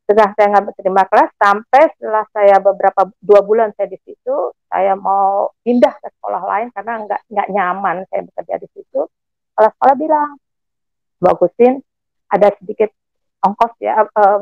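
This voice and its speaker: A woman's voice: mid-range voice, fairly quick, creaky, no echo. A woman in her sixties giving a personal testimony as a guest, telling her story with animation and acting out the conversations she recalls. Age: 60s. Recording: dull lo-fi recording with faint music.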